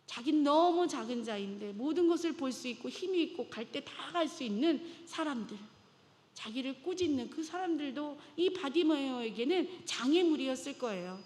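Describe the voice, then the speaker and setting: A woman delivers a sermon with a high voice, retelling a Bible story with dramatic flair. Her speech rings with the long reverb of a church sanctuary. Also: lively intonation, moderate pace, a little mellow. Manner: dramatic, acts out biblical voices. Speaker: preacher.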